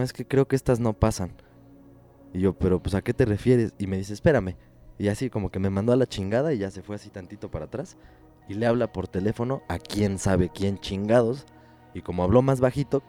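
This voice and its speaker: Mexican guy, low mellow voice, casual swearing anecdote, faint music bed. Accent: Mexican Spanish. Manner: profane, exasperated storytelling. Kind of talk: casual storytelling chat.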